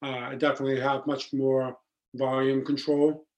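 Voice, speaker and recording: Male podcast guest, deep flat voice, earnest with ums and restarts. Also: normal speed. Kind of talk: casual podcast conversation.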